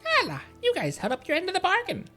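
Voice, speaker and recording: A woman's voice: extremely high pitch, wildly swooping pitch, fast, bright, forceful tone, faint music behind, pitched above the performer's own voice, exaggerated voice. A woman voicing a formal, wordy, exacting trial organiser as she reads fantasy game dialogue aloud. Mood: composed, exacting.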